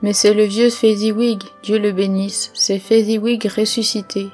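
A woman's voice: medium pitch, flat delivery, measured pace, darkish tone, faint music behind, lightly acted. A woman reading the part of an old miserly man, moved and exclaiming over memories, in an audiobook. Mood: excited.

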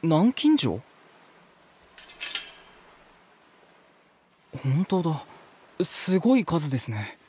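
An actor playing a polite, curious young man in a voice drama, speaking in a gentle, thoughtful way. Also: fairly high pitch, huge pitch swings, measured pace, breathy edge, full character voice. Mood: curious wonder. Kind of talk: Japanese voice drama acting.

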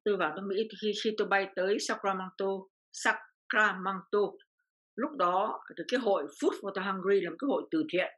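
A woman's voice: mid-range voice, rapid-fire, hardly any pauses. An older woman from Vietnam, an interview guest, telling a personal story with feeling and repeating phrases as her voice rises.

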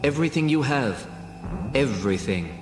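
A man voicing a sorrowful male alien rebel leader in a read-along story, speaking in a grave, measured way. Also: mid-range voice, expressive, long reverb tail, natural voice. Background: music.

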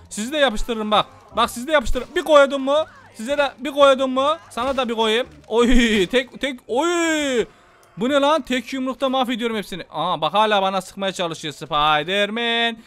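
A young man commenting excitedly on a game he is playing, talking to viewers and taunting enemies. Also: extremely high pitch, smooth. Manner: excitable, banters with enemies, addresses viewers as friends. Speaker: gaming YouTuber. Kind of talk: Let's Play commentary.

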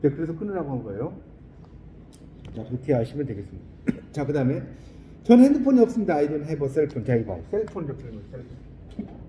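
A man teaching an English class, quizzing his students and reading English phrases slowly and deliberately. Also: on the high side, reverberant, a little hiss or hum. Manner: lively, quizzing students with questions.

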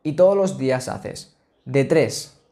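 A man's voice: medium pitch, slow, creaky. A man in his twenties talking casually to his webcam from a small home office, chatty and full of restarts. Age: 20s. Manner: chatty, restarts and filler sounds, animated hand gestures. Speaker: student vlogger. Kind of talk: casual explainer vlog. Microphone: laptop webcam, framed at a desk.

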